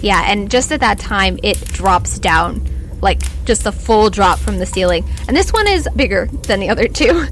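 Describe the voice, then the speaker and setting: A woman's voice: mid-range voice, animated, normal speed. A woman game master narrating a tabletop game off the cuff, conversational and often rephrasing as she describes the scene. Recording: music behind the voice.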